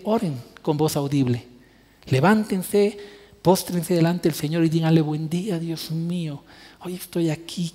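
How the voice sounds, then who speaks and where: Earnest pastor preaching in a hall. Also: male voice, sits high, warm tone. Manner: earnest, preaching with stretched emphatic words. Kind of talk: sermon. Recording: church hall reverb.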